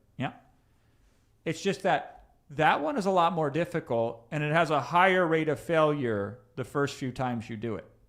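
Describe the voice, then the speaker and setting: In a very clean recording with a silent background, a man with an American accent speaks in an animated tone at a fairly high pitch. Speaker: entrepreneur. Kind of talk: casual talk, storytelling.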